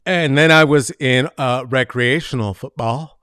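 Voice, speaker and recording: A man's voice: medium pitch, measured pace, clean tone, no echo. Man, show host, theatrical delivery, close studio mic, dry sound. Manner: theatrical, swings between soft asides and loud sing-song bursts. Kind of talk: animated comedic monologue. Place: home studio with posters and guitar. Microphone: large studio mic on stand, close.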